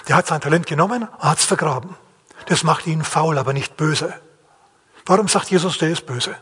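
A man's voice: a little high, moderate pace, fairly bright tone, husky. A man preaching a sermon in a plain-spoken, questioning way, acting out the quotes. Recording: long hall reverb.

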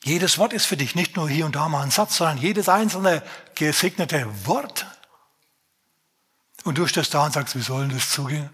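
A man preaching a sermon in a lively, conversational way, speaking straight to the congregation with many rhetorical questions. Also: fairly high pitch, normal speed, breathy edge.

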